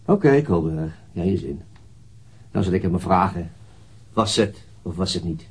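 Casting: weary, brooding detective for radio crime drama; dark, mellow, husky voice, understated delivery. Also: male voice, low-pitched, lively intonation, moderate pace, exaggerated voice. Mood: grumpy, tired. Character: tired, brooding male police detective leading a murder inquiry. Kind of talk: radio drama acting, naturalistic.

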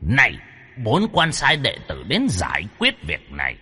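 A man voicing a lecherous male ghost posing as a fairy-tale deity, squeaky and blustering. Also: wildly swooping pitch, measured pace, sharp tone, husky, in a large hall, exaggerated voice. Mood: mock-solemn.

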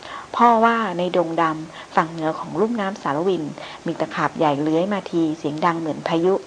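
A woman voicing a wild young male jungle tracker who speaks flatly in a low murmur. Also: fairly quick, a little hiss or hum, poor audio. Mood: deadpan. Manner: flat, low-murmured speech.

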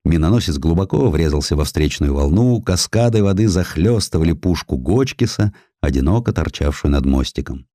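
A man narrating a historical audiobook with dramatic, deliberate, theatrical phrasing. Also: very deep voice, animated, mellow, dry recording, clean studio sound.

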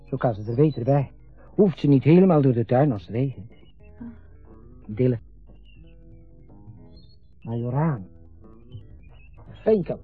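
Middle-aged father, radio drama, eager, rambling, husky, slow-paced, muffled sound with faint music. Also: mid-range voice, animated. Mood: proud, relaxed. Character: chatty middle-aged father proudly showing off his home. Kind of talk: naturalistic radio drama acting.

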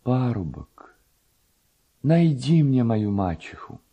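A man voicing a sorrowful young noblewoman ghost in a storybook reading, speaking in a quiet, plaintive, pleading manner. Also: medium pitch, sing-song, takes it slowly, highs cut off, pitched above the performer's own voice, heavily acted.

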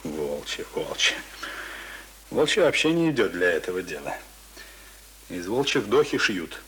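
An actor playing a talkative, pompous middle-aged print worker in a Russian radio play, boasting in folksy colloquial speech. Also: male voice, low-pitched, big pitch swings, unhurried, fairly bright tone, breathy edge, full character voice, poor audio. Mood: boastful, contented. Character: talkative middle-aged male print worker, self-important former drinker. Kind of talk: Russian radio drama acting.

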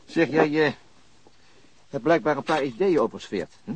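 An actor playing a polite, patient police investigator in a naturalistic radio drama, with hesitant, courteous questioning. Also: male voice, a little high, expressive, normal speed, close to an everyday voice. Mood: patient, probing. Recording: clearly noisy radio drama recording.

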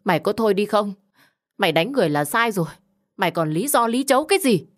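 A woman voicing a harsh, quick-tempered middle-aged mother who shouts insults in an audio story. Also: mid-range voice, animated, voice pushed up, close to an everyday voice. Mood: scolding.

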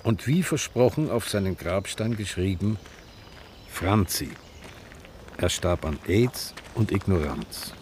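A man's voice: deep voice, lively intonation, slow pace, darkish tone, a little hiss or hum. An actor playing an ageing, defiant gay activist who tells of his grief with a Viennese accent, in a radio drama. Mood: sombre, mourning. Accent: Viennese Austrian. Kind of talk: radio drama monologue and dialogue. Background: music.

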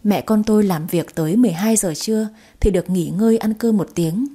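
A woman narrates a first-person story in a lively, chatty way. Her voice is warm and mellow, with a soft husky edge. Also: medium pitch, fairly quick.

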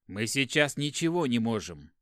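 A man's voice: mid-range voice, lively intonation, normal speed, no room sound, clean studio sound, natural voice. A man voicing a detached, firm warrior who clips his words coolly. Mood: impassioned. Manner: firm, clipped, cool.

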